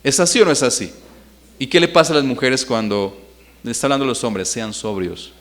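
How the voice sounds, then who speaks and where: A man's voice: mid-range voice, fairly quick, a bit bright. A man, preaching a Sunday sermon in church and putting questions to the congregation. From Colombia. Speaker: pastor.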